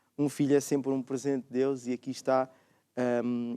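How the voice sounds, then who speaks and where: Against a quiet background, a man with a dark, mellow tone and fairly high pitch talks at a moderate pace in a flat monotone. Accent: European Portuguese. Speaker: bishop, TV program co-host. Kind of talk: religious TV program, reading testimonies.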